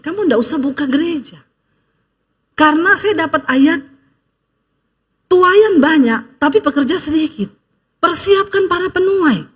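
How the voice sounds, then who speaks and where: A woman pastor giving a lively sermon, telling stories and acting out the people she quotes, with joking asides. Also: extremely high pitch.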